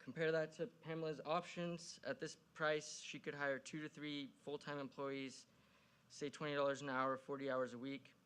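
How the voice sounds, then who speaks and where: A man's voice: on the high side, level tone, normal speed, fairly bright tone, clean tone. A man reading prepared public remarks to a council in a pointed, critical, argumentative way. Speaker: public commenter at a city council meeting. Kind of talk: prepared speech, read out.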